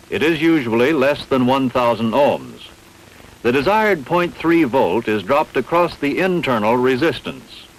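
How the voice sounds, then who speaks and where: A man reading scripted instructional narration in a measured, didactic, carefully enunciated way. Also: medium pitch, low-quality recording. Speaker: training film narrator.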